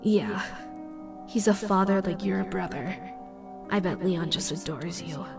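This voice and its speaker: A woman's voice: on the low side, measured pace, gravelly, music in the background. A woman voicing a young captive boy in an audio drama, terse, defiant and fiercely loyal.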